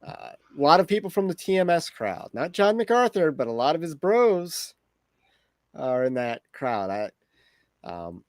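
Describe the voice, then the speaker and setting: A man's voice: mid-range voice, no room sound. A man hosting a livestream, talking through topics casually with wry, rambling asides. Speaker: livestream host.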